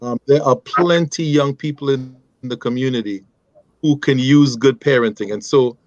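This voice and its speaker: A middle-aged man telling personal stories as a guest on a video call, animated and quick to laugh. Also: mid-range voice, lo-fi sound. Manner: animated, laughing, many restarts. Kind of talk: storytelling in conversation.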